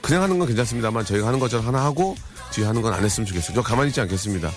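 A man's voice: medium pitch, animated, racing, faint music behind. A man hosting a live radio show, joking and giving mock-stern warnings to listeners. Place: radio studio.

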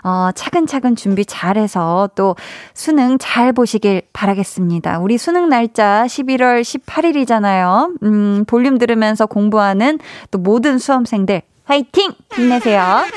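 A young woman hosting an evening radio show, chatting warmly and reading out listener messages with encouraging words. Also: on the high side, expressive, measured pace, no room sound, clean studio sound. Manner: warm encouraging, cheers listeners on. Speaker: radio host. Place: radio studio. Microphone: studio microphone.

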